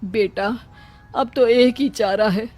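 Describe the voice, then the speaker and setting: A woman's voice: fairly high pitch, slow, darkish tone. A woman voicing a worried elderly village mother-in-law in a cartoon, talking in a pleading, fretful way. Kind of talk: cartoon voice acting.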